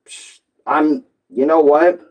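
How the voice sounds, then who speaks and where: A young man with a hoarse voice, a gaming streamer ranting casually and loosely to his viewers, swearing and rambling with lots of fillers. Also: a little high, slow, highs cut off.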